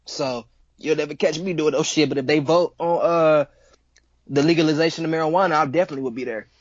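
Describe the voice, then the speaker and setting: This Cleveland, Ohio rapper, in his twenties, guests on a casual interview chat, laid-back and slangy, repeating himself. His voice sits on the high side with fairly even intonation at a quick pace, in a dry recording with dull audio.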